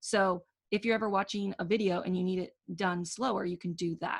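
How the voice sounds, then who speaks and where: The pitch shows ordinary variation. The pace is fairly quick. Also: woman. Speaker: QuickBooks trainer. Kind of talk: live tutorial webinar. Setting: live video stream. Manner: fast; casual, filler-heavy.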